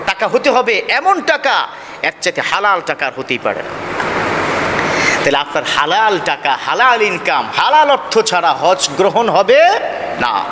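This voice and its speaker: A Bangladeshi man delivers an Islamic sermon in a high-pitched voice. He tells stories, asks rhetorical questions and prompts his listeners. The recording has long hall reverb and clear background noise. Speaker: Islamic preacher. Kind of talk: sermon to a congregation, with anecdotes and Arabic quotations.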